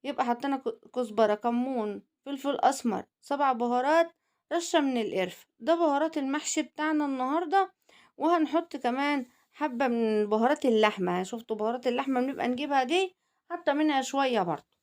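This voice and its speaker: Egyptian woman hosting a home cooking channel, high voice, quick chatty delivery, middle-aged. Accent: Egyptian Arabic. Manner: chatty, teasing, addresses viewers directly. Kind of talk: cooking video narration.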